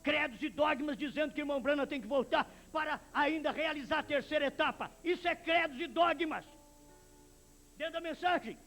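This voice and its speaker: A male Brazilian pastor reading passages aloud and then preaching to his congregation, building to shouted emphasis. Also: very high voice. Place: church.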